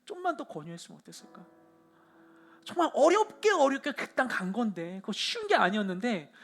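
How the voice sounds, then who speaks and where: A young adult male pastor delivers a sermon as a lively story, his voice sitting high and swinging widely in pitch. He talks with frequent fillers and animated retelling, rising and falling as he goes. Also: brisk, soft background music. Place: church hall.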